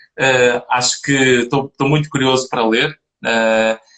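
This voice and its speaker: A man with a European Portuguese accent talks in a bright, sharp tone with fairly even intonation. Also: dry, close sound with no echo. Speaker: psychologist and live-show host. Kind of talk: live-stream interview wrap-up. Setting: Instagram live video call.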